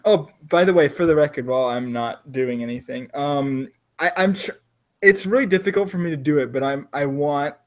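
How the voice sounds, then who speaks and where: A man's voice: on the high side, normal speed. A man from South Florida with no accent, running a tabletop game as game master and talking casually with lots of fillers. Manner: chatty, full of "like" and restarts.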